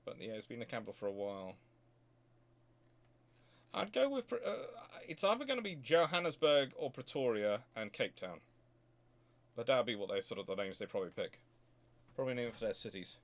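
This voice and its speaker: A man's voice: mid-range voice, very animated, fairly quick, pauses often. A man hosting a casual question-and-answer session, rambling off the cuff and often correcting himself as he thinks aloud. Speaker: host answering viewer questions.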